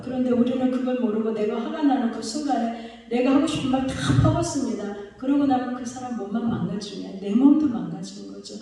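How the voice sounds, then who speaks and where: A woman pastor preaching a sermon from a distance in a big echoing church hall, her mellow, fairly high voice trailing in long reverb. She keeps asking her listeners questions as she teaches. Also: a little hiss or hum. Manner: asks the congregation rhetorical questions. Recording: echoey hall, voice from far off.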